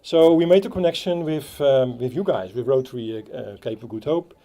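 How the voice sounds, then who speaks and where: A man with a Dutch accent giving a halting speech at a playground opening, with many fillers and restarts. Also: mid-range voice, warm tone. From Netherlands. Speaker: Rotary club speaker. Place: outdoor playground.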